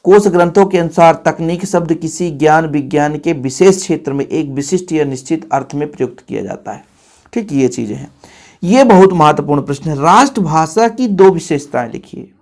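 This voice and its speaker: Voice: mid-range voice, animated, brisk, a little mellow. Casual coaching-class teacher who drills exam answers, speaks straight to the students and repeats each point for emphasis. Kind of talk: exam-prep grammar lesson.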